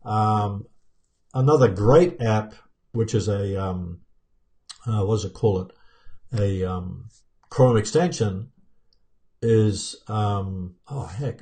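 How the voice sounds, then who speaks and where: A man's voice: lowish voice, darkish tone. A man in his fifties with a New Zealand accent worn down by years in America, hosting a casual live-stream Q&A from a home office and answering viewer comments with many fillers and restarts. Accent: New Zealand, softened by years in America. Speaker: YouTube channel host answering live chat. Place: home office room with plants and pictures, indoors. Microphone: webcam framing at desk.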